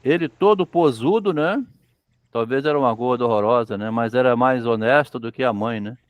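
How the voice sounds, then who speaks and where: With a medium pitch and moderate pace, a Brazilian man reads a story and interrupts himself to explain it as a literature lecture, playing out characters' lines and often asking "né?". The recording is dry, and its high frequencies are cut off.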